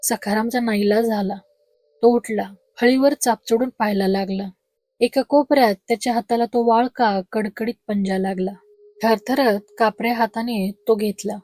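A female storyteller reading a horror story with slow, suspenseful narration. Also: fairly high pitch, fairly even intonation, dark tone, dry recording.

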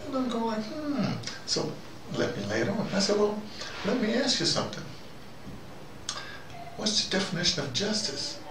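A man tells stories with lively swings in pitch and a gravelly grain to his voice. He wanders and restarts as he goes, playing out reported exchanges like an informal host. He sounds set back from the microphone, with clear noise around him. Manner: halting and digressive, acts out reported exchanges. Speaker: host of a recurring spoken dispatch. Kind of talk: informal monologue, animated anecdotal storytelling. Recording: noisy, roomy recording, distant from mic.

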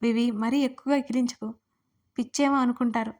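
A woman voicing a caring young man who gently teases and pleads with a friend in an audio story. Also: very high-pitched, fairly even intonation, brisk. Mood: gentle teasing. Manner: pleading, soothing.

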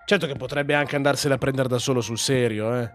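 A man giving joking, swearing commentary over a horror game, yelling when startled. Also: medium pitch, fairly even intonation, fast talker, soft background music. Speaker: gaming host. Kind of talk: horror let's play commentary.

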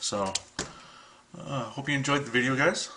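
A man's voice: mid-range voice, normal speed, noisy background. A middle-aged man, a radio hobbyist, casually explaining gear at home on a desk camera mic, with many ums and restarts. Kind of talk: casual how-to video. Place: home radio room, at a table.

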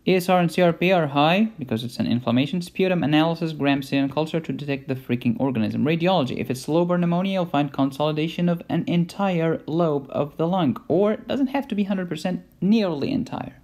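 A man's voice: on the high side, fairly quick, few pauses, a little mellow. A man giving an informal medical lecture in a playful, blunt and emphatic way. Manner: playful, blunt, emphatic teaching with mild cursing.

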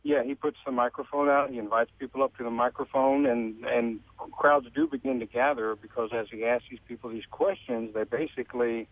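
A man's voice: mid-range voice, fairly even intonation, brisk, few pauses, dry recording. A male caller on a radio phone-in, explaining his view steadily. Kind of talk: phone-in call. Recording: phone line.

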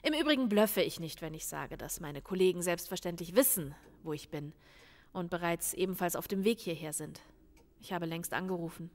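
A woman acting in an audio drama as a composed police lieutenant, measured and reassuring. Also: fairly low pitch, natural voice. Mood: firm, controlled. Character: composed female police lieutenant calming a suspect.

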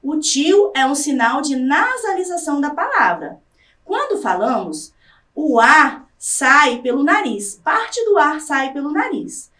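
A Brazilian woman teacher gives a scripted televised lesson, dragging out example words to stress their syllables. Her voice sits high and swoops widely. She sounds a bit off-mic in an echoey room. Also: big pitch swings, measured pace, pushed and bright, far from the mic. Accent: Brazilian Portuguese. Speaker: Portuguese language teacher.

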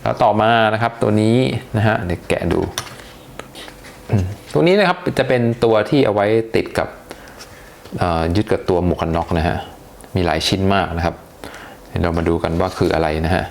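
Male tech reviewer, low gravelly voice, chatty unboxing, faint hiss behind. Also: moderate pace. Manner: chatty, hesitant, lots of polite particles.

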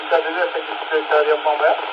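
Amateur radio operator on walkie-talkie: halting, procedural exchanges, muffled lo-fi signal, heavy noise. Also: mid-range voice, level tone. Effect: two-way walkie-talkie radio. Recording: muffled radio audio, loud static noise.

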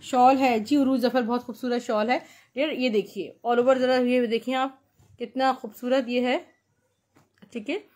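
A woman with a Pakistani accent hosting an informal live shopping sale, pitching repetitively and mixing in English words. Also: steady tone, unhurried, a little mellow. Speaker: live-sale host selling clothes.

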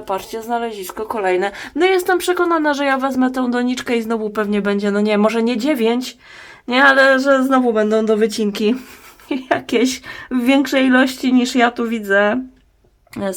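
A woman hosting a plant-care vlog, chatting casually at her indoor grow box and talking tenderly to her plants. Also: mid-range voice. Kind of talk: casual talk while tending plants.

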